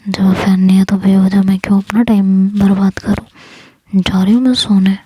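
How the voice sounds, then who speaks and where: A woman's voice: mid-range voice, level tone, normal speed, dark tone, slightly rough, no room sound, lightly acted. A woman whispering as a playful young friend.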